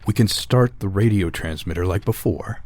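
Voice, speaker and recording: A man's voice: low voice, moderate pace, darkish tone, no room sound, close to an everyday voice. An actor playing Joe, a resolute man in a retro sci-fi radio drama, speaking steadily and earnestly. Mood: urgent. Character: Joe, grown man, self-sacrificing and resolute. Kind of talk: golden-age style radio drama acting.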